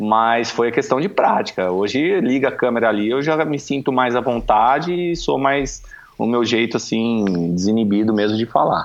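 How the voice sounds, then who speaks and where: With an ordinary speaking voice, a man talks at a moderate pace and medium pitch, his intonation lively and his pauses hardly any. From Campinas, São Paulo state, Brazil. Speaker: former pro cyclist and cycling youtuber. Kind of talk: casual interview chat.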